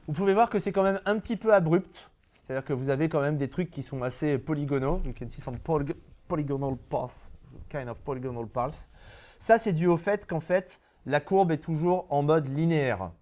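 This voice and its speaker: Bilingual man teaching a software class. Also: fairly high pitch. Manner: switches between French and English, checks on the class often. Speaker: 3D software instructor. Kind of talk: live classroom software tutorial. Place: classroom with audience.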